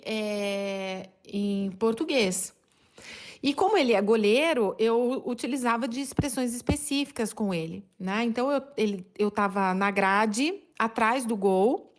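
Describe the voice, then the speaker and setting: A middle-aged woman from Brazil, a podcast listener telling a funny story about living abroad, acting out her own shouting. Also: fairly high pitch.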